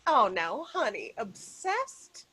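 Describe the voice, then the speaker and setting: A woman's voice: on the high side, big pitch swings, takes it slowly, bright, forceful tone, slightly rough, exaggerated voice. A woman playing a sweet, placating suburban mother in a comedic script read, soothing and earnest. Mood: sweetly earnest.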